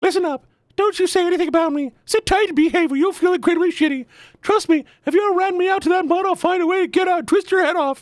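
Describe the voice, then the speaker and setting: A man's put-on character voice at an extremely high pitch and a very fast pace. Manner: unthreatening, lacking menace.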